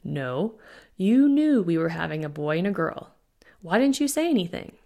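A woman's voice: on the low side, very animated, moderate pace, vocal fry, darkish tone. A woman voicing an anxious, protective young man expecting twins, worried and insistent.

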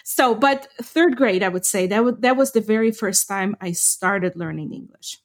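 A woman's voice: medium pitch, normal speed. Middle-aged woman, thoughtful. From Ukraine. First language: Ukrainian. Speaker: podcast co-host. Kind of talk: casual chat.

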